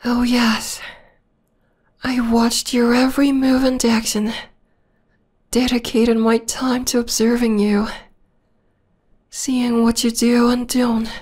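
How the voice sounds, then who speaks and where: Obsessive young female vampire played by a woman for ASMR roleplay: whispery, slow, tender yet menacing. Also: on the high side, flat delivery, a little mellow. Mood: obsessed, adoring. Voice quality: breathy, whispery. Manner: intimate, slow, lingering delivery. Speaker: voice actor.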